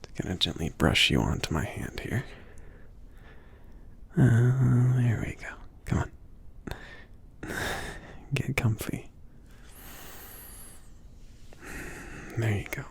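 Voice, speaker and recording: A man playing a laid-back, gently teasing mage who runs a potion shop, speaking softly and hesitantly in an intimate ASMR roleplay, with a creaky, sometimes breathy voice. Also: mid-range voice, lively intonation, slow, pauses often, full character voice. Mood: reassuring, hesitant. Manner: hesitant, murmured, reassuring, chuckling. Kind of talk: ASMR roleplay, intimate one-sided conversation.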